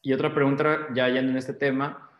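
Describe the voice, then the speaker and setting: A man chats as a student, mostly answering with short agreeing words and now and then asking a curious question. His voice has an ordinary middle pitch and comes from a noticeably echoey room. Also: level tone, brisk, highs cut off. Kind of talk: casual conversation.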